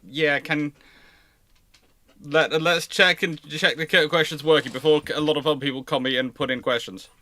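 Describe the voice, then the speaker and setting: Man, livestream host, higher-pitched, bright forward voice, casual, rambling, repetitive phrasing. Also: fairly even intonation, normal speed. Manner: rambling, repeats himself.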